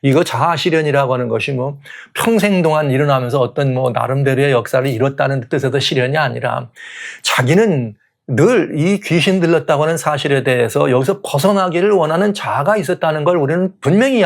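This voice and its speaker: A man's voice: medium pitch, fairly quick, gravelly. A male pastor preaching a sermon, asking his listeners questions and repeating phrases with earnest wonder.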